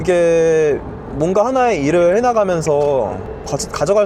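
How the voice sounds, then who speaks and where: A man's pitch swings very widely. There is noticeable background noise and audible room echo. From South Korea. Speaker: YouTuber and entrepreneur. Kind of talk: vlog monologue. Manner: casual, hesitant.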